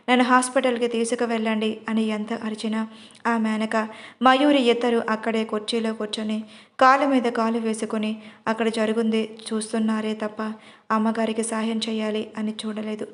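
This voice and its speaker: A woman's voice: fairly high pitch, fairly bright tone, natural voice. A woman voicing a loyal older housemaid who speaks earnestly and deferentially in a storybook audio drama.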